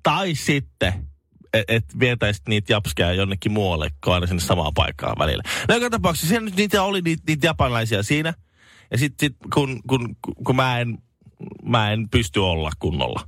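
A man's voice: medium pitch, very animated, fairly bright tone, dry recording, studio quality. A man in his thirties co-hosting a morning radio show, telling rambling anecdotes with lots of restarts. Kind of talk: casual chat, storytelling.

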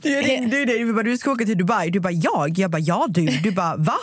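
A woman's voice: mid-range voice, no echo. A young woman co-hosting a casual podcast, telling stories with acted-out quotes, laughing often and swearing casually. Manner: giggly, animated storytelling with acted-out quotes. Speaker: podcast co-host.

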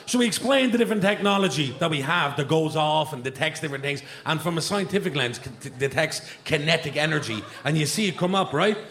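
A man's voice: on the high side, expressive, quick pace, hardly any pauses, a bit bright. An Irish man telling colloquial, exclamatory, sweary stories as a guest on stage at a live podcast. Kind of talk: animated, sweary storytelling to a live audience. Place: live theatre stage with audience behind. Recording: roomy live hall with crowd noise.

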